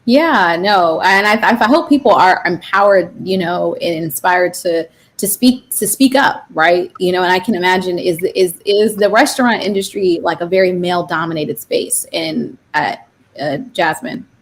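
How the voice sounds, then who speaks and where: A woman moderating a panel, asking questions in a halting, encouraging way. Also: fairly low pitch. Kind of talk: panel discussion.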